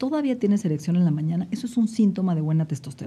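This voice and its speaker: A woman speaks very fast with a dark, mellow tone. Her fairly low voice is somewhat breathy. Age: 40s. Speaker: nutritionist podcast host. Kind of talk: solo talk monologue.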